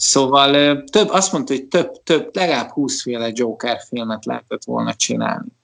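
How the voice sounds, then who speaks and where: Hardly any pauses break up this man's moderately paced speech. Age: 30s. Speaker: film podcast host. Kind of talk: casual chat; scripted narration. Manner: halting.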